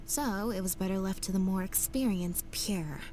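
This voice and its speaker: A young detective from a video game, voiced by a woman lays out the logic of a crime. Her voice sits in a plain middle register and stays measured and explanatory throughout. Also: mid-range voice, darkish tone, a little hiss or hum, close to an everyday voice. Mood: explaining. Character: sharp young woman detective laying out deductions. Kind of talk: game voice acting.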